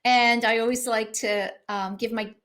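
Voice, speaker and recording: A woman hosting a podcast, asking questions in a conversational, halting way. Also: a little high, fairly even intonation, a bit bright. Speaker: podcast host. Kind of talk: interview questions.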